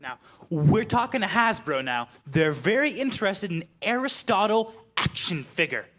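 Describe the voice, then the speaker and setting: A performer playing a chummy, opportunistic film executive making a sales pitch in a comedy staged reading. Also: sing-song, moderate pace, a bit bright. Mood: eager, chummy.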